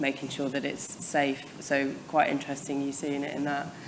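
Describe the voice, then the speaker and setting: There is noticeable background noise and audible room echo as a woman talks in a very deep, low pitch. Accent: English Midlands. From English Midlands. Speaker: panel moderator, fintech founder. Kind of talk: panel discussion.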